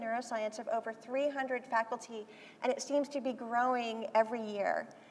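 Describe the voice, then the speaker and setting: Her intonation holds fairly even. The woman's voice is high in pitch. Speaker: neuroscience center director or professor, event host. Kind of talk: welcome speech. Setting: stage with audience, PA system. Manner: loud.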